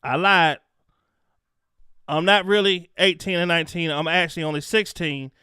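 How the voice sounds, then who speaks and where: A man's voice: on the high side, fairly even intonation, normal speed, sharp tone, clean tone, no echo, clean studio sound. A man hosting a live stream debate, pressing his guest with pointed questions.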